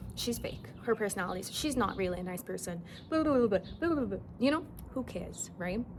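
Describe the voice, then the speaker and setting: A woman speaks at a fairly quick pace in a medium pitch, her voice making very wide pitch swings. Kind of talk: casual vlog monologue. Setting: outdoors.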